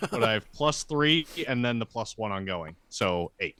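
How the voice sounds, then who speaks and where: A man playing a tabletop game, chatting casually in brief, clipped replies and quick questions. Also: lowish voice, lively intonation, sharp tone, smooth.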